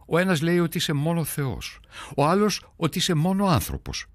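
A man's voice: on the high side, wildly swooping pitch, dry recording. An actor narrating as a devout early-Christian man who tells, in earnest first person, of a crisis of faith and hard times. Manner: earnest, prayerful, brooding. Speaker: documentary narrator.

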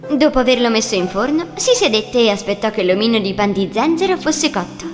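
Storybook narrator, a woman, high, animated, expressive, over music. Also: brisk. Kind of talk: scripted children's story narration.

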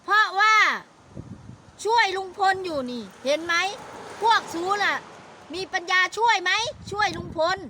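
A blustering, bullying forestry officer barks slow threats in a raised, strained voice, as a woman puts him on. The tone is bright and high, pushed up well above her usual speaking voice. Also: a little hiss or hum, full character voice. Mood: angry. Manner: shouting threats, slow and emphatic. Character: aggressive middle-aged male forestry officer, bullying.

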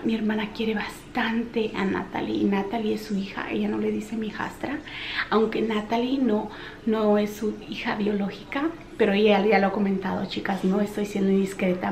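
A woman in her thirties, a mom vlogger telling a story in an animated, chatty way, talking straight to her viewers. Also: medium pitch. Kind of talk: casual storytelling vlog. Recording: echoey room with faint noise.

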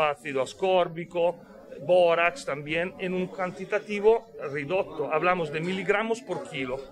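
A man speaks through a face mask, his voice sitting high for a man. He explains patiently and in detail, pausing to make sure he is followed. Loud crowd chatter from a busy shop fills the background. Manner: explanatory, checks in with "¿ok?". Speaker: caviar company representative. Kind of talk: explaining products at a tasting interview. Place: busy fish shop indoors.

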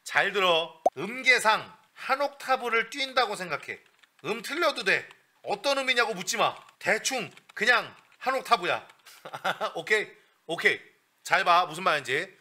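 A male vocal coach giving a lesson in a blunt, bossy, joking way with coarse slang, breaking into breathy falsetto demonstrations. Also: lively intonation, measured pace, sharp tone, slight background noise.

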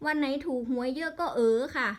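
A woman's voice: high voice, brisk. A woman with an Isan accent in a casual vlog, rattling off lottery number strings and breaking into exasperated grumbles.

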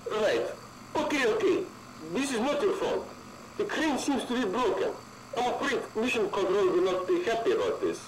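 A calm radio mission handler. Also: male voice, sits high, normal speed, reverberant, noisy background. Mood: calm instructing. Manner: calm, instructive, calls player comrade.

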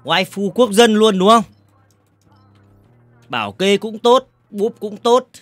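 A man with a fairly high voice hosts a casual game livestream, reading viewer comments aloud and teasing them. He jokes often and fires off repeated words in quick bursts. Faint game music plays quietly in the background. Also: dry recording. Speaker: gaming livestreamer.

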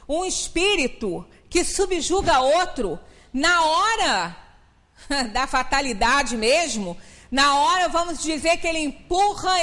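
Uma mulher de meia-idade, do Brasil, dá uma palestra espírita numa sala pequena, explicando com ênfase e perguntando "né?" com frequência. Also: female voice, high-pitched, fairly bright tone. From Brazil. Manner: explanatory, emphatic, often adds "né?". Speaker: spiritist lecturer. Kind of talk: lecture at a spiritist center. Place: small meeting room, indoors.

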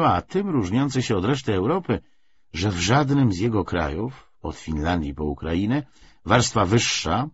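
A man reading a literary audiobook in an expressive, measured, scripted narration style. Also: fairly low pitch, breathy edge. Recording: dull, slightly muffled lo-fi audio.

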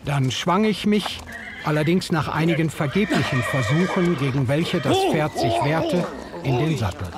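An actor narrating in first person as a young German newcomer, measured and storytelling. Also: male voice, on the high side, big pitch swings, over a noisy crowd. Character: young German greenhorn narrating his past.

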